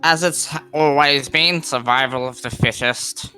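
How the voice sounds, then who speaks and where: A man playing a tabletop game, talking in a measured way as he weighs in on the story. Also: mid-range voice, bright, forceful tone, rough recording. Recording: faint guitar music behind.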